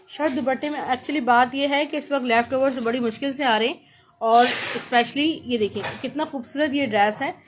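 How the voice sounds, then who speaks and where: High-voiced Pakistani woman doing teleshopping patter. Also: slight background noise, rough recording. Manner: chatty teleshopping patter, repeating praise and prices. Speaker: live online clothing seller. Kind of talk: live sales pitch, showing items.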